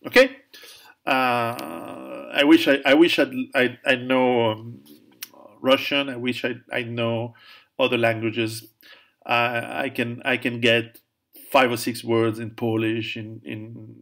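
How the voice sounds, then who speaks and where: Casting: man, author fielding viewer questions, halting delivery full of "um" and restarts, middle pitch. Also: level tone, fairly bright tone. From Italy, raised in Switzerland. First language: Italian. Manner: hesitant, many restarts and fillers, laughs at own jokes. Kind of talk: casual Q&A monologue.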